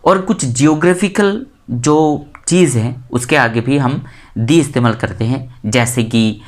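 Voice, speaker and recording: A woman from India teaching English grammar in Hindi, saying each example word slowly and more than once to stress it. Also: a bass voice, darkish tone. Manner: repeats example words slowly and stresses them. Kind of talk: explanatory lesson in Hindi.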